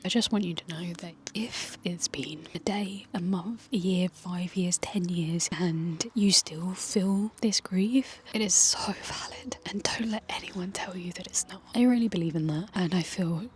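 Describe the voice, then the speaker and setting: A woman whispering softly and tenderly as she talks to her viewers, recorded outdoors in a garden. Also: fairly low pitch, unhurried, hardly any pauses, slight background noise. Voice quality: soft unvoiced whisper. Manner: gentle, tender, reflective. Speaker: video creator. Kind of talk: whispered ASMR-style personal talk. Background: faint outdoor ambience with bees.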